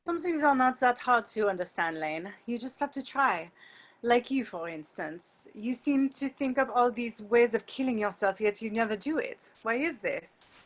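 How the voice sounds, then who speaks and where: A woman's voice: fairly high pitch, expressive, moderate pace. A woman playing a frank, encouraging young French exchange student in an amateur script read over a video call. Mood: frank, prodding.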